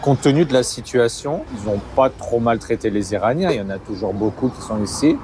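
Fast-talking man interviewed outdoors. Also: medium pitch, darkish tone, a little hiss or hum. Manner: quick, chatty explaining. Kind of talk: casual interview.

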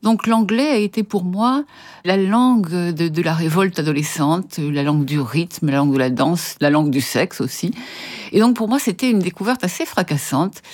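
Casting: female translator guest, lowish voice, articulate and lively in her anecdotes. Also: moderate pace. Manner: articulate, lively storytelling with hesitations. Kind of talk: reflective interview answers.

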